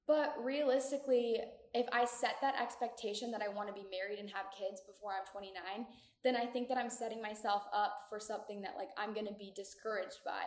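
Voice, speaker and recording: A woman of twenty-four with an American accent hosts a podcast alone, chatting candidly and casually in an echoey room. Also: mid-range voice. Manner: candid, chatty, informal, frequent "like". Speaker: podcast host. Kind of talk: casual solo podcast chat. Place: echoey community room of an apartment building.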